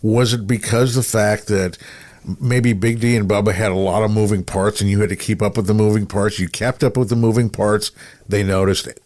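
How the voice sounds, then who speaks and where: A man's voice: on the low side, fairly even intonation, a little fast, darkish tone. A middle-aged American man chatting casually as a podcast host, with a rambling, wry, self-deprecating manner. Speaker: radio broadcaster, podcast co-host. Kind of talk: casual chat.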